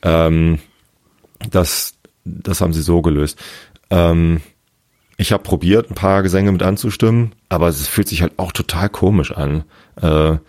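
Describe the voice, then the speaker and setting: Very deep-voiced hoarse man, hesitant. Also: measured pace, a little mellow, no echo, studio quality. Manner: hesitant, many fillers and restarts. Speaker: football fan guest. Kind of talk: casual conversation.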